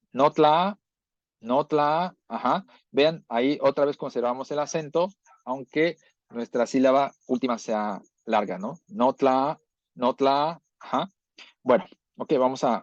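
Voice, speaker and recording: A man's voice: medium pitch, no room sound. A man giving an online language class, explaining patiently and often checking understanding with short tag questions. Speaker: language teacher. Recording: dull, lo-fi audio.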